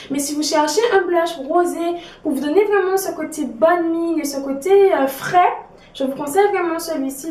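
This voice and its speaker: A young woman chatting casually through a beauty haul, often filling pauses with "donc voilà". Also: extremely high pitch. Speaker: beauty vlogger. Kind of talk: casual product review. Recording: echoey room, a bit far from mic.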